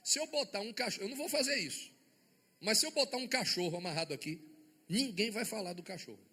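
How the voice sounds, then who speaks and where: Brazilian man, bishop, sermon, rhetorical questions, bright tense voice, husky edge. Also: sits high, quick pace. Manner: emphatic, asks the congregation rhetorical questions. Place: church sanctuary before a congregation. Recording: long church reverb.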